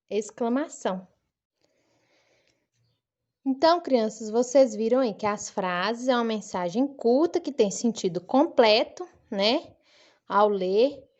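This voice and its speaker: A woman teaching a children's lesson, speaking slowly and clearly in a sing-song manner for young kids. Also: a little high, expressive, a little mellow, muffled recording. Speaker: primary school teacher. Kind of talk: recorded online lesson for children.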